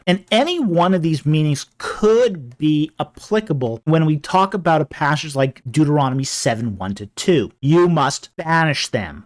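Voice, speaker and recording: A man, a Christian apologist, explaining ancient texts in a lecturing commentary. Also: fairly high pitch.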